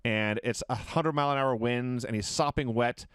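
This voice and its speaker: A podcast co-host with a smooth, resonant, mid-pitched voice recounts a wrestling match in vivid detail at a moderate pace. His casual recap is animated storytelling with offhand swearing and little laughs, and the sound is dry and close with no echo.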